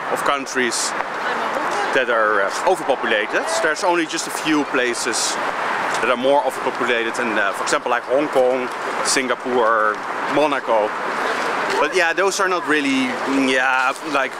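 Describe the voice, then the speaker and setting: Dutch-accented man vlogging over loud traffic noise. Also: mid-range voice, moderate pace. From Netherlands. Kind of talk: unscripted explanatory vlog talk to camera. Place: outdoors in a city.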